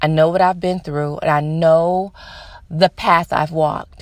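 In a very clean recording with a silent background, a woman speaks at a fairly low pitch and a fairly slow pace in an animated tone. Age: 30s. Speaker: podcast host and hairdresser. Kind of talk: motivational monologue. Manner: bubbly.

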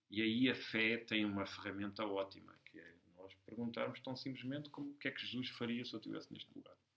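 A man with a European Portuguese accent talks at a very fast pace with ordinary pitch variation. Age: 50s. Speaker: farmer and blogger. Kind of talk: interview.

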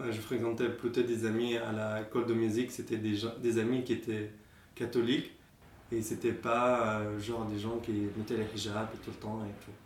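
A man with an Arabic accent speaks at a moderate pace in a medium pitch. His intonation is monotone and flat, and the recording has audible room echo. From Syria, Yarmouk camp near Damascus. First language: Arabic (speaking French). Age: 20s. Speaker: refugee. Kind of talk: testimony. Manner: halting.

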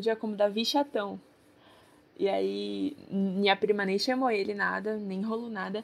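Here a woman speaks at a moderate pace. Her voice sits at a medium pitch. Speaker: podcast co-host. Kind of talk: casual chat.

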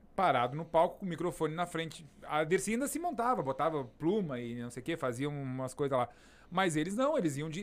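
Fairly quick and with lively intonation, a man speaks in a plain, everyday voice at a fairly high pitch. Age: 40s. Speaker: stand-up comedian and actor. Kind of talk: casual chat.

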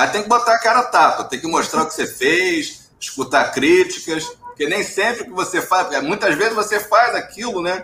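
A man speaks at a moderate pace in a high, raised and projected voice with lively intonation over noticeable background noise. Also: hardly any pauses. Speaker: actuarial professor. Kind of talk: live webinar presentation. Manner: halting, many repetitions.

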